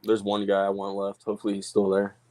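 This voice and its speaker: A man's voice: lowish voice, quick pace, no room sound. A man co-hosting a sports podcast, casually calling out picks in a mock draft. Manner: relaxed, calls out picks. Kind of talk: casual chat.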